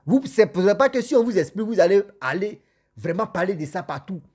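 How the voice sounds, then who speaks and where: Slightly high-voiced male storyteller. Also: brisk. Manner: animated, repetitive, addresses listeners directly. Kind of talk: casual spoken storytelling.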